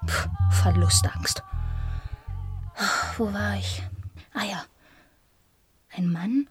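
A slow, musing oddball woman who wants to learn humor in a radio play. She talks with drawn-out pauses and a lively rise and fall, teasing the others. Clear guitar music plays behind her. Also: medium pitch, full character voice. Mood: pondering. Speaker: actor.

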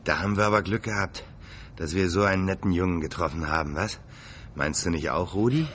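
An actor playing a kindly young man standing in for Santa, gently chatting to his reindeer and a boy. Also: deep voice, brisk, slight background noise. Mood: gentle.

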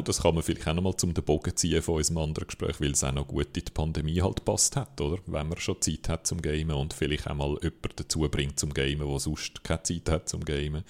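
A man with a Swiss German accent, co-hosting a casual game podcast and arguing his picks with lots of fillers. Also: a bass voice. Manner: animated, opinionated, many fillers. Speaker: podcast co-host.

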